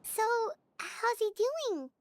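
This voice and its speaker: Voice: very high-pitched, big pitch swings, slow pace, exaggerated voice. A performer voicing a tiny, earnest childlike companion creature in a video game. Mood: earnest, concerned. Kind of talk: scripted video game dialogue.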